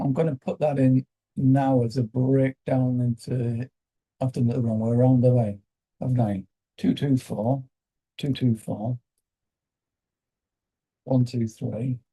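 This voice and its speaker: A British man with a croaky voice, hosting a live day trading session and thinking aloud with halting fillers. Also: mid-range voice, fairly even intonation, warm tone, rough recording.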